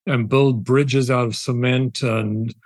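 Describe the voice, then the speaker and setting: A man's voice: mid-range voice, fairly even intonation, slow, no room sound. A man with a South African accent, a guest architect on an interview podcast, telling stories in an easy, reflective way. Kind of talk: casual interview.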